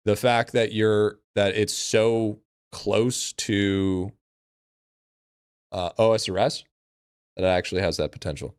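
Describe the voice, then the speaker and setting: Low-voiced frat bro guy, dry close sound. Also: no room sound. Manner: frat bro, slangy and profane. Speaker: live streamer. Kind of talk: casual livestream chat.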